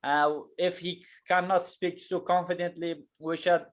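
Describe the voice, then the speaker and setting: A man teaching an English lesson, explaining patiently and slowly with many hesitations and fillers. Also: high voice, little pitch movement. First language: not Turkish.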